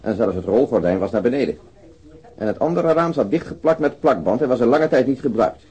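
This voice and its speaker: An actor playing a sober, methodical police inspector in a radio drama, dry and matter-of-fact. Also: male voice, mid-range voice, lively intonation, fairly quick, darkish tone, slightly rough. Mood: patient reasoning.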